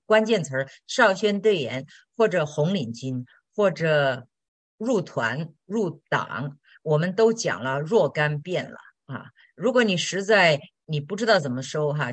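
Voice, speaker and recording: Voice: mid-range voice, a bit bright, dry recording. Blunt, direct Christian teacher. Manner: direct, blunt, colloquial with tag questions. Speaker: Christian teacher answering listener questions. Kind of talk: sermon-style Q&A.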